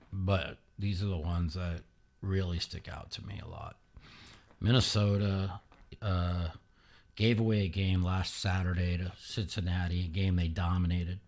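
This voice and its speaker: A man hosting a podcast in casual sports betting talk, sluggish and halting, with many fillers and restarts, sometimes speaking quietly. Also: deep voice. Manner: talks quietly at times. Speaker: podcast host.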